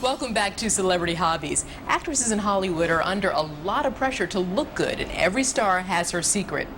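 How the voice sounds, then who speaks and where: A woman's voice: medium pitch, lively intonation, brisk. A woman host delivering scripted narration for a TV show in a polished, upbeat way. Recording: music bed under the voice.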